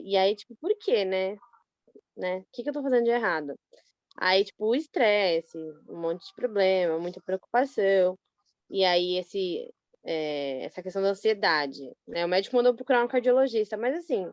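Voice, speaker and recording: A Brazilian woman in a study group, telling a personal story in a chatty, animated way with many fillers. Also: mid-range voice, no room sound. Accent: Brazilian Portuguese. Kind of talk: casual personal account.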